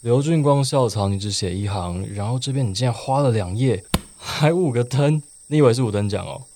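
A man playing a chatty, dreamy gay high school student in a radio play, with an expressive Taiwanese-accented delivery. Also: a little fast, lightly acted. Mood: teasing, incredulous. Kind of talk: Mandarin radio play acting and first-person narration.

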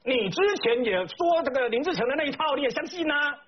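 Over slightly dull broadcast audio, a male political commentator with a Taiwanese Mandarin accent fires off indignant talk show remarks and emphatic rhetorical questions. His voice is very high-pitched and animated, running a little fast.

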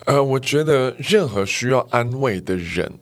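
A man's voice: mid-range voice, moderate pace. A man co-hosting a podcast, talking things through reflectively with everyday examples. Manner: reflective, explains with examples, lively inflection. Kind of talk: casual chat.

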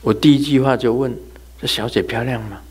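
A religious teacher gives a sermon as humorous ghost anecdotes, chatty and storytelling, laughing and imitating sounds along the way. His mid-range voice is brisk, a little mellow and husky, with fairly even intonation.

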